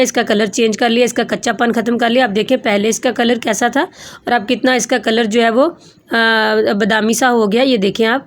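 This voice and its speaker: Woman host with a Pakistani Urdu accent, home cooking tutorial, chatty and step by step, voice a bit high. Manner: chatty, explains step by step with fillers.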